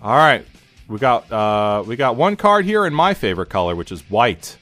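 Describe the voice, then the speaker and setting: A man hosting a casual podcast chat, reading game cards aloud in an animated way with plenty of fillers and restarts. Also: medium pitch, soft background music. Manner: animated, halting with frequent fillers. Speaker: podcast host.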